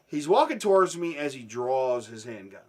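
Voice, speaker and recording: A man telling a swear-filled story in a casual chat, dropping low and then bursting into loud shouts. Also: moderate pace. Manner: profane, animated, swings from hushed to shouting.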